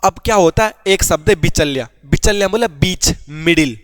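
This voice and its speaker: A man's voice: fairly high pitch, lively intonation, moderate pace, dry recording, soft background music. A young man from Garhwal teaching an informal exam-prep lesson, chatty, asking and answering his own questions. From Uttarakhand, Garhwal.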